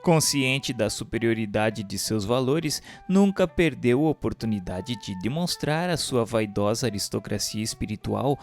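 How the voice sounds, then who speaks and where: A Brazilian man narrates in a mid-pitched voice, solemn and formal. He delivers the scripted religious text in a declamatory way, like an audiobook reading, with instrumental music behind him. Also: expressive, normal speed, hardly any pauses.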